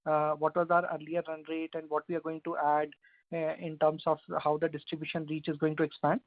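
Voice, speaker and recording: A man's voice: a little high, completely flat delivery, brisk. A man asking business questions as an analyst caller. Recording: narrow, tinny phone line.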